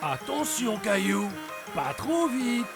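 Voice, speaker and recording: An actor voicing a gentle, patient, encouraging grandfather in a children's cartoon. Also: mid-range voice, sing-song, slow pace, music in the background. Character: kindly, encouraging grandfather to small boy.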